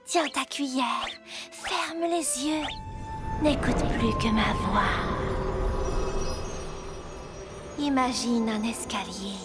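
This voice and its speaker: A woman's voice: a little high, slow pace. A woman voicing a sensible, encouraging girl with a dreamy spiritual side in a French cartoon dub. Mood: calm, mystical. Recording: music behind the voice.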